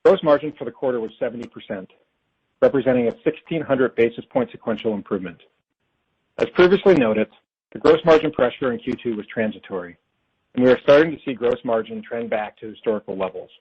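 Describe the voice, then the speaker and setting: A man presenting as a company finance executive on an earnings call, reading prepared figures in a formal, measured way. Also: mid-range voice, slightly rough. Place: conference call. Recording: dull, lo-fi conference call audio.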